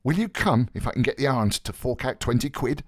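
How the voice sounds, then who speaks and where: A man putting on a high, theatrical young joker. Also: sing-song, measured pace, no echo, clean studio sound. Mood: gleeful. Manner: declaiming, jocular, mock-solemn. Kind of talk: dramatised novel reading.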